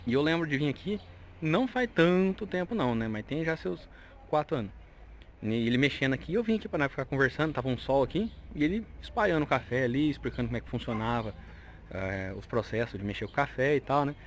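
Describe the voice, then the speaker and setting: Walking through his grandparents' old house, a young vlogger with a Brazilian Portuguese accent chats about family memories, often tacking on a question tag. He speaks quickly at a medium pitch with lively intonation, and there is slight background noise.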